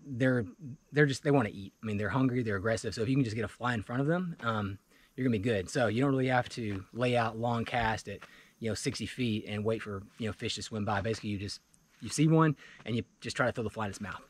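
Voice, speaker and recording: Outdoors by a pickup truck in a wooded clearing, a man in his forties who vlogs about fly fishing goes through his gear on camera. He talks fast in a fairly low voice, relaxed and chatty, with many fillers and restarts.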